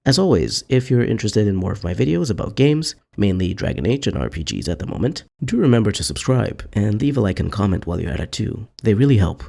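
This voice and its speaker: A man narrates his gaming video essay in a calm, measured voice. His tone sits very low and has a gravelly edge. His pitch still moves around a lot as he explains his points, over faint background music. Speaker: gaming channel host.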